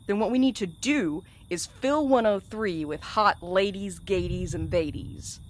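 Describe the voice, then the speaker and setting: A woman's voice: medium pitch, measured pace, lightly acted. A woman acting in a fiction podcast as a sardonic, blunt courier with a dry, slangy, wisecracking way of talking. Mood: wry. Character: sardonic, blunt, irreverent courier and loyal friend.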